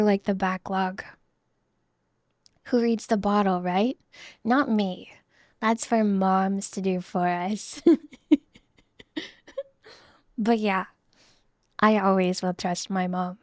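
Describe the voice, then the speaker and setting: A woman in her thirties, chatting casually in a soft, rambling way while she draws on stream. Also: mid-range voice, steady tone, takes it slowly, pauses often, no room sound, clean studio sound. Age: 30s. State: losing her voice. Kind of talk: casual chat while drawing.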